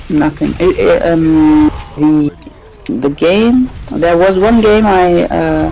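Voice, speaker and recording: A woman with a non-native accent at a very slow pace and very even loudness, over music in the background. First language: not English. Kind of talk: casual chat. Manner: halting.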